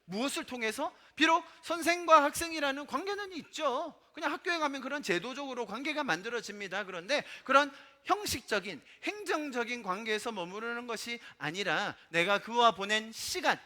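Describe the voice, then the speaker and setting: Animated, bright-voiced Korean pastor preaching. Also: male voice, extremely high pitch, a little fast, few pauses. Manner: emphatic, rhetorical questions to the congregation. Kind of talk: sermon. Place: church sanctuary.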